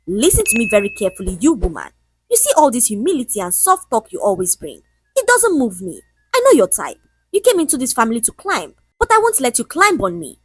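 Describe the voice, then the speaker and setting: A cruel, arrogant rich woman boss, as a storyteller puts her on barks and sneers in a high, husky voice that swings wildly up and down. Her cuts sharp on every word, and the recording is close and dry. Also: wildly swooping pitch, fairly quick, faint music behind, heavily acted. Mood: scornful. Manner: sharp, scornful, barking.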